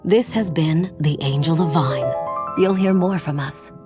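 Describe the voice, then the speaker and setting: An actress playing a poised announcer reading scripted podcast credits. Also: female voice, deep voice, a little slow. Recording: piano music under the voice.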